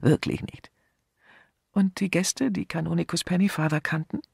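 A man's voice: on the high side, fairly even intonation, moderate pace, gravelly, a little mellow, husky, dry recording, clean studio sound, voice pushed up, heavily acted. A man voicing a discreet, somewhat unsure woman working at a hotel front desk, speaking primly and hesitantly. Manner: prim, hesitant.

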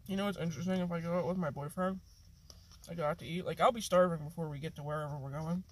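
A man's voice: on the high side, fairly even intonation, fast talker, a little hiss or hum. A man rambling casually in a food vlog, talking through a mouthful of food, recorded on a phone mic in a small room. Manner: rambling, filler-heavy, offhand. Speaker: vlogger.

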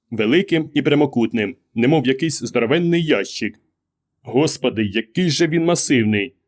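A man narrating a short story as an audiobook in a calm, measured way. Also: medium pitch. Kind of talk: scripted narration.

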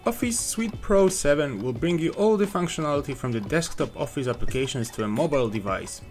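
A young man narrating a scripted, upbeat walkthrough of phone apps as the channel's reviewer. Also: a little high. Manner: upbeat, clear product walkthrough. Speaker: app reviewer.

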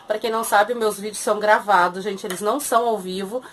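Brisk and a bit bright, her medium-pitched voice keeps a fairly even intonation. The speaker, a thrift shop seller in her thirties with a southern Brazilian Portuguese accent, makes a casual sales video in her small shop, chattily presenting and pricing secondhand clothes and repeatedly saying "gente" to viewers.

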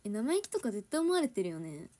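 A young idol livestreamer talks to her viewers from home in a sing-song, fairly quick, warm mid-range voice. She has a Kansai accent, giggles often, and drifts between Kansai dialect and standard Japanese as she chats.

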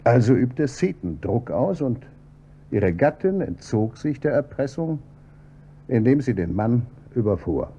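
An actor playing an insistent police inspector in a German radio crime drama, questioning in a measured, pointed way. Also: male voice, mid-range voice, very animated, mellow. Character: probing male police inspector, calm and insistent. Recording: dull old radio recording with faint hum.

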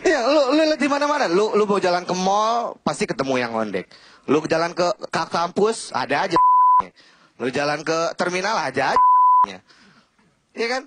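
A man's voice: high voice, normal speed. Guy doing stand-up, voice jumps all over, slangy, ribbing the crowd, bit of hiss. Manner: animated, teasing the audience, slangy Jakarta talk. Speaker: stand-up comedian. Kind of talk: stand-up comedy set. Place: stage before a live studio audience.

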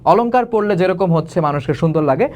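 A fairly high-voiced young man from Bangladesh runs an online exam-prep lesson. He keeps the explaining loose and colloquial and slips into little acted-out example phrases as he goes. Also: expressive, fast talker, a little mellow. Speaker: teacher.

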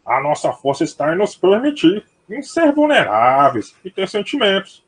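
A man's voice: high-pitched, wildly swooping pitch, moderate pace, husky, exaggerated voice. A man playing a fond, wise old father's ghost in an audio drama, colloquial and paternal. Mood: encouraging.

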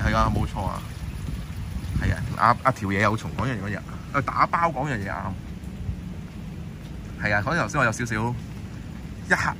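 A man with a Hong Kong Cantonese accent, live-streaming a walking tour on rainy night streets and chatting casually with viewers as he walks. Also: on the low side. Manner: chatty, talks to viewers and passers-by. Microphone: handheld phone camera. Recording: steady rain and passing traffic behind.

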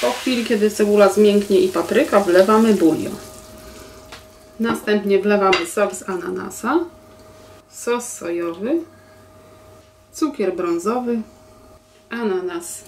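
A woman in her forties walks viewers through a recipe in a calm, step-by-step way and addresses them politely. Her voice sits at an ordinary middle pitch and comes from a little way off the mic. A home kitchen gives it a roomy echo with a faint hiss behind. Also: measured pace, pauses often, far from the mic. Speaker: cooking channel host. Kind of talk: recipe instructions.

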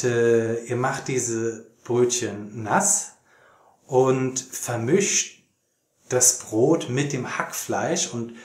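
A young man teaching German to learners, speaking slowly and deliberately with many fillers, recorded in a small plain room. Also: mid-range voice. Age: young adult. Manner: very slow and deliberate, many fillers, animated reading. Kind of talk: slow, clear teaching for learners. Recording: roomy echoey room.

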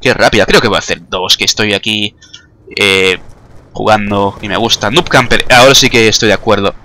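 A young man with a Spanish accent from Spain provides casual, joking commentary while playing a game, poking fun at his own skills. His fairly low voice is a little fast with a sharp tone.

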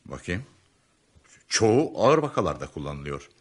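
An actor playing an earnest, cautious hospital doctor in a radio drama, speaking in a measured, matter-of-fact way. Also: male voice, low voice, sing-song, breathy edge, full character voice. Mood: calm, informative. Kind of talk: Turkish radio drama acting.

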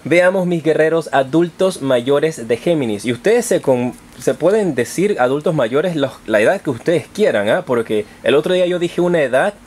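Higher-voiced man giving a tarot reading. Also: expressive, moderate pace, hardly any pauses, darkish tone, a little hiss or hum. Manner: affectionate, encouraging direct address. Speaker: tarot reader and channel host. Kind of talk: informal horoscope card reading addressed to viewers.

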